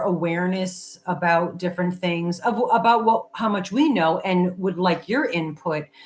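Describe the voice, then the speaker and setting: A woman with a plain, everyday voice speaks with ordinary pitch variation. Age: 60s. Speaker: livestream host. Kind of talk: casual chat. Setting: live stream.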